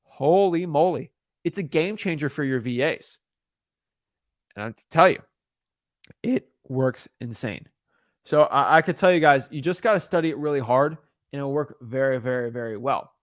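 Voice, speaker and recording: This young wholesaling coach has a medium-pitched voice and a moderate pace, captured in clean studio sound without echo. He gives casual, on-camera real estate advice that wanders and repeats, with lots of filler words and restarts.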